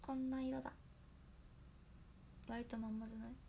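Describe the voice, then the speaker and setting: A hoarse young woman chatting casually on her livestream, thanking viewers by name for their gifts. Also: fairly high pitch, little pitch movement, moderate pace, mellow, slight background noise. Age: young adult. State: hoarse after a nap. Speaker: idol livestreamer.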